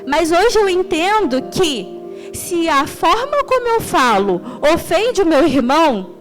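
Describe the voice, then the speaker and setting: A young woman from Rio de Janeiro preaches in a high, bright voice with a strong Carioca accent. She tells her stories in an extroverted, animated way, warm with laughter. Faint music plays softly underneath. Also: takes it slowly. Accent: Carioca Portuguese. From Rio de Janeiro, Brazil. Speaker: deaconess preaching. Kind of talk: sermon.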